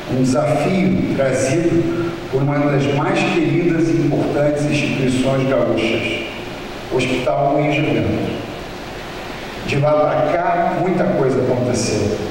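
Man from rio giving a heartfelt speech at a podium, big echoey chamber, sounds far off. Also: a little high. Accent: Rio de Janeiro Portuguese. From Brazil. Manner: emotional, measured, reading from notes. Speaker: honoree giving an acceptance speech. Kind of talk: formal ceremony speech. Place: large council chamber, indoors. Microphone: podium microphone. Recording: echoey chamber heard from a distance with room noise.

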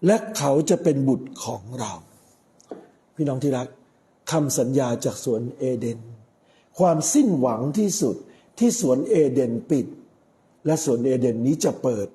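Casting: middle-aged male priest, very dark mellow tone, unhurried sermon delivery with pauses. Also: mid-range voice. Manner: measured, with frequent pauses. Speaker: Catholic priest.

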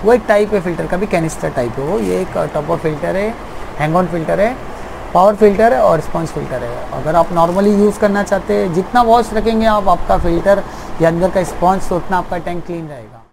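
A man's voice: high voice, a little fast, creaky, noisy background. A young man who runs an aquarium shop, explaining at length in a casual, repetitive way, seated in his small shop.

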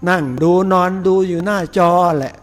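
Male buddhist monk, chatty folksy sermon, slightly high voice, long hall reverb. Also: moderate pace, soft background music. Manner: folksy, chatty, with frequent laughs and rhetorical questions. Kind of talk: casual sermon before a meal. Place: temple hall.

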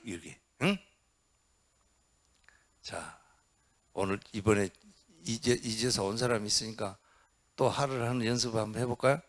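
A middle-aged monk gives a dharma talk in a Buddhist hall, his voice sitting in an ordinary middle register for a man. He keeps quizzing and coaxing his listeners. Now and then he barks out a shout to show how it is done. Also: medium pitch. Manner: lively, quizzes and coaxes the audience, acts out shouts. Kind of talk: interactive sermon.

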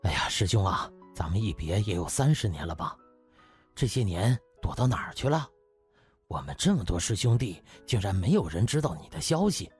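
A man's voice: lowish voice, very animated, normal speed, slightly rough, faint music behind, pitched below the performer's own voice, heavily acted. A man voicing an effusive, self-assured older hospital director in an audiobook, with exclamatory delivery. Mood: admiring.

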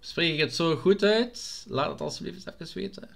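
A man's voice: on the high side, moderate pace, vocal fry, fairly bright tone. A man with a Limburg Flemish accent, casually reading out and answering viewer comments in a vlog, hesitant with frequent filler sounds. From Belgium, Limburg. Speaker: vlogger.

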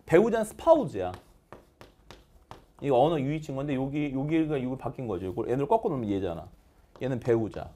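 A man teaching English vocabulary in an online lecture, animated and leading chanted word drills. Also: medium pitch, a little fast, long pauses.

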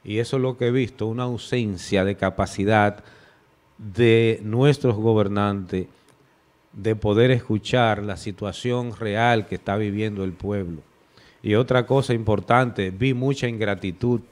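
A man on a TV studio panel, giving measured political commentary into a desk mic. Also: fairly low pitch, steady tone, darkish tone. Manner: measured, deliberate, rhetorical. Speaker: panel guest. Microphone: desk microphone.

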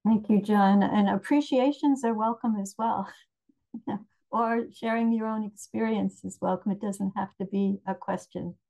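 An older woman hosting a question and answer session on a video call, speaking calmly and evenly. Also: medium pitch, normal speed, low-quality recording. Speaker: host.

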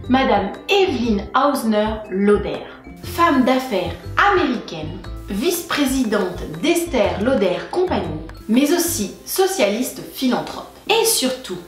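A young woman hosts her vlog with a lively, bouncing delivery and playful asides, her voice sitting a little high. She talks in an echoey room with faint music underneath. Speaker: breastfeeding channel host. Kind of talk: informative vlog monologue.

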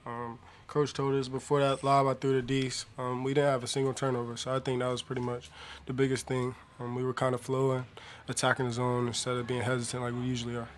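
Hesitant young man with a flat tone. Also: medium pitch, quick pace, slight background noise. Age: young adult. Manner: soft-spoken, many hesitant ums. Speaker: college basketball player. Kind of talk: postgame press conference answers. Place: press room, seated at table. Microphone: table mic on stand.

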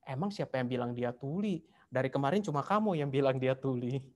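A man voicing a calm soft-spoken young mom. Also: mid-range voice, moderate pace, voice pushed down, natural voice. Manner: soft and quiet. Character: calm, patient young female mother.

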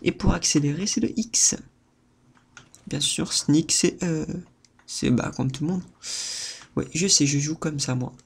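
A man commentating his own gameplay as a video host, excitable and theatrical, repeating words and breaking into sudden high-pitched outbursts while talking to his viewers. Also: measured pace, vocal fry, long pauses, breathy edge. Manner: playful theatrical exclaiming, addresses viewers. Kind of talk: let's-play gameplay commentary.

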